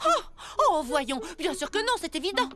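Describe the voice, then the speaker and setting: A woman's voice: very high voice, very animated, moderate pace, heavy background noise. A woman voicing a touchy, secretive cartoon girl, hesitant and theatrical, in a children's animation dub. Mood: indignant, wounded. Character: flustered, touchy, secretive cartoon girl, dramatic when wronged.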